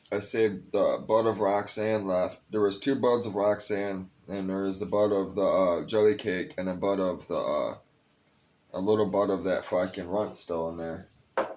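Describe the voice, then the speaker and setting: Young male vlogger, very low voice, tired, loose confessional ramble with plenty of swearing. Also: darkish tone, a little hiss or hum. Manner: rambling, confessional, curses freely. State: tired, a bit high. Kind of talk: casual personal vlog talk.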